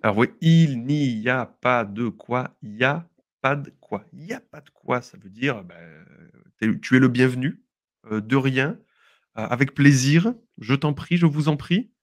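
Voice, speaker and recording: A young man from southwest France co-hosting a casual podcast lesson, explaining expressions patiently, chatty and quick to laugh. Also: mid-range voice, expressive, dry recording. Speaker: French teacher, podcast co-host.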